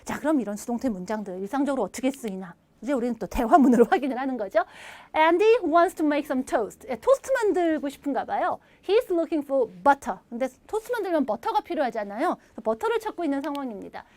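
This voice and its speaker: A high-pitched woman delivers an English grammar lesson with animated energy, coaxing students to repeat sentences after her. The sound is dry and close, with no room behind it. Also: fairly quick, few pauses, no echo. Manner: lively, animated, leads repeat-after-me drills; acts out little dialogue lines in playful voices. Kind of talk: recorded video lecture.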